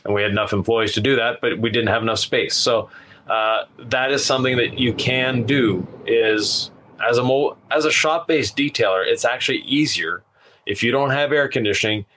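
A mid-pitched man in casual podcast conversation. He explains practical advice in an easygoing way, as an experienced host. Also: normal speed, a bit bright, slight background noise.

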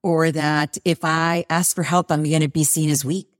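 A woman's voice: low-pitched, level tone, normal speed, dry recording, clean studio sound. A woman in her forties, a guest on an interview podcast, talking in an upbeat, encouraging way. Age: 40s.

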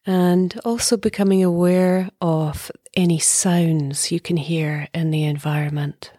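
A middle-aged woman leading a guided meditation as a teacher, speaking softly and breathily in a calm, gentle way with long pauses. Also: on the low side, no echo, clean studio sound. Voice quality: soft, breathy.

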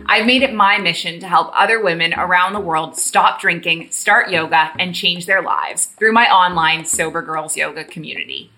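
Bright, crisp-edged Canadian woman podcast host. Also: fairly low pitch, normal speed, few pauses, soft background music. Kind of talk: scripted intro narration.

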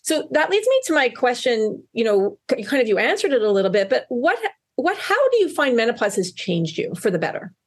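A woman's voice: on the high side, very animated, a little fast, few pauses, husky. A woman in her fifties hosting an interview, enthusiastic and affirming toward her guest. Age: 50s. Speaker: host. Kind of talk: podcast interview.

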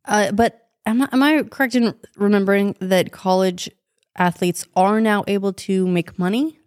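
A woman's voice: medium pitch, fairly even intonation, moderate pace, a little mellow, no room sound, studio quality. Curious young woman co-hosting a podcast. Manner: curious, questioning, chatty. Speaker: podcast co-host. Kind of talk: casual chat.

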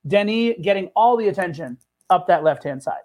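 Wisecracking high-voiced man on a podcast. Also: animated, brisk, a little mellow. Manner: wisecracking, teasing. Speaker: podcast co-host. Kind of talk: casual sports podcast chat.

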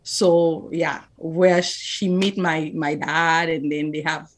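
A woman in her thirties from Haiti, a podcast guest speaking haltingly with simple phrasing and shy laughs. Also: sits low, level tone, a little hiss or hum. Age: 30s. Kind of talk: casual podcast interview.

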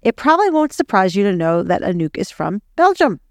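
A woman's voice: mid-range voice, very animated, fairly quick, dry recording, studio quality. A woman speaking as a podcast host and interviewer. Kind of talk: scripted podcast introduction and interview.

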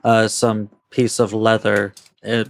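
A man playing a fussy, stern college professor who talks slowly and haltingly, filling gaps with uh's. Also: fairly low pitch, level tone, a little hiss or hum. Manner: slow, halting, full of uh's.

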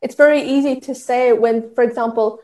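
An Irish woman with a fairly high voice speaks earnestly, teaching in an instructive, steady way, often restarting her sentences and adding fillers. Her voice rings in an echoey room. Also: normal speed. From Ireland. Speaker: diversity and inclusion trainer. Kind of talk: talk at an online session.

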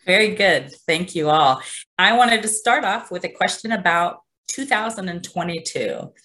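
A woman's voice: on the low side, normal speed, bright, forceful tone. A woman hosting an online panel over a video call, encouraging each speaker. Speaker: panel host and organizer.

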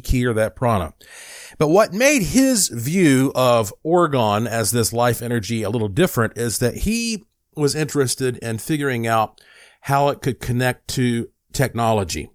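A man's voice: medium pitch, dry recording, studio quality. A man talking through an explanatory monologue in a conversational way, with occasional fillers and restarts. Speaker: host presenting a product video.

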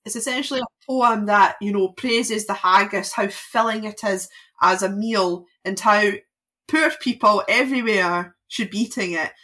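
A woman's voice: medium pitch, normal speed, sharp tone. A Scottish woman from Scotland, a podcast guest talking casually with frequent ums and restarts.

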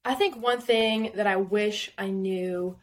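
A woman's voice: medium pitch, steady tone, slow. Chatty young woman singer-songwriter. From Southern California. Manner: chatty, filler-heavy, laughs often. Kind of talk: casual podcast interview.

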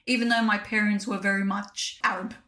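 A woman's voice: medium pitch, flat delivery, fairly quick, bright, forceful tone. A woman, hosting a casual solo podcast and talking to listeners in a chatty, direct way. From Australia. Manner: chatty, direct, addresses listeners as "you guys". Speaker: podcast host.

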